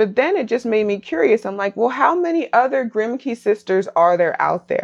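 With hardly any pauses, a woman talks in a fairly high voice that swings very widely in pitch. The sound is dry and close, with no echo. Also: moderate pace. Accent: American. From US South. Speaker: anti-racism educator and community organizer. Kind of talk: casual interview.

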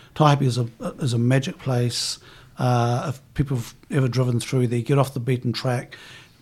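A man's somewhat breathy voice with a New Zealand accent, medium in pitch, at a moderate pace in a flat monotone. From New Zealand, North Island. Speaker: business founder and facilitator. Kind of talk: interview.

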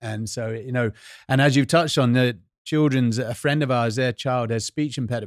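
A man with a British accent at a medium pitch and moderate pace, with fairly even intonation, on a very clean recording with a silent background. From UK. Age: 40s. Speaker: ex-military adventurer. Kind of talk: casual chat. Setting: studio.

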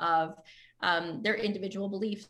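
A woman with a Canadian accent has a normal speaking voice. Her pitch is medium and her intonation fairly even. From Saskatchewan, Canada. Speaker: provincial politician. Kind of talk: interview.

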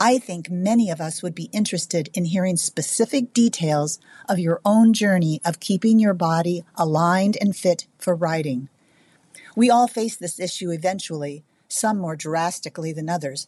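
A woman's somewhat breathy, dark, mellow voice at a fairly low pitch and moderate pace, with ordinary pitch variation, dry, close sound with no echo, and a quiet background. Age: 70s. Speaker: listener with recorded question. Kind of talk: recorded voice message.

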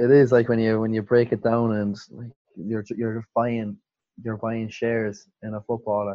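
A man with an Irish accent speaks at a medium pitch and a moderate pace. His intonation is monotone and flat, while his loudness swings widely. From Ireland. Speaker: football index trader. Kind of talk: casual chat.

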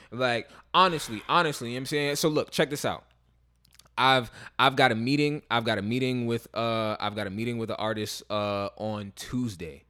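A man speaks at a moderate pace and a medium pitch, with ordinary pitch variation and an unremarkable speaking voice. The recording is very clean, with a silent background. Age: 20s. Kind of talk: casual chat. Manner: relaxed, filler-heavy.

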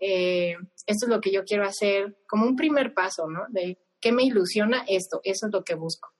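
A woman's voice with ordinary pitch variation. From Mexico. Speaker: psychologist. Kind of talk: interview.

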